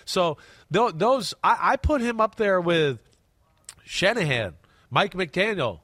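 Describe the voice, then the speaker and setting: A man with a clogged-up, sniffly voice breaks down football in a casual studio chat. His pitch sits a bit high and he keeps leaning hard on his points, often checking in with "right?" The sound is close and dry, with no room around it. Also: lively intonation, slow, a bit bright, dry recording. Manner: emphatic, repeats words, asks "right?". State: stuffy and congested. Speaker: podcast co-host. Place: studio desk close to co-host.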